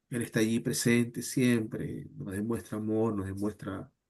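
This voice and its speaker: The speaker is soft-spoken. The pace is very slow. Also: man. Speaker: Bible study teacher. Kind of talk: online Bible class discussion.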